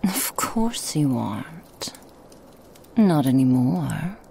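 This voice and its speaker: A woman voicing a seductive, possessive female Krampus demon in a whispered ASMR roleplay, teasing and mocking in an intimate hush. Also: low voice, big pitch swings, extremely slow, vocal fry, slight background noise, full character voice. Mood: menacing.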